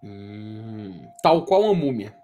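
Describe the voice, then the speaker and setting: A man's voice: lowish voice, very animated, slow pace, warm tone, soft background music. A man co-hosting a casual chat, tired and joking in teasing banter. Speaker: podcast co-host.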